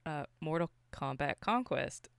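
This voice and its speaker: Smooth, close-up voice, casual and slangy. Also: mid-range voice, lively intonation, unhurried, no echo. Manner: slangy, exclamatory. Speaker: podcast co-host. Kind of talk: casual chat about films.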